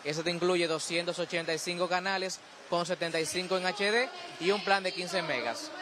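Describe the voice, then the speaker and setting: A young Dominican man at an expo fair stand, rattling off prices and plans into a handheld mic. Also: steady tone. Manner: quick sales pitch listing prices. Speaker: company representative. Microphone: interviewer's handheld mic. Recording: noisy fair hall.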